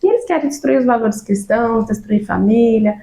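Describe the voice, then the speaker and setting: A woman's voice: a little high, fairly quick, dark tone. A Brazilian woman hosting an interview, asking thoughtful guiding questions. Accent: Brazilian Portuguese. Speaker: interview host. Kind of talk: casual interview conversation. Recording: roomy echo.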